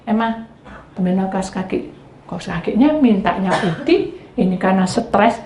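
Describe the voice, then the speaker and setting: Woman pastor preaching, pitch jumps all over, echoey hall, bit of noise. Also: unhurried. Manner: lively storytelling, acting out quoted spouses in a high voice; addresses the congregation directly. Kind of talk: sermon.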